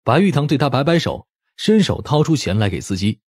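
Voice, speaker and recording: Male audiobook narrator: slightly rough, animated delivery, dramatic storytelling, close dry sound. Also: medium pitch, a little fast, dry recording.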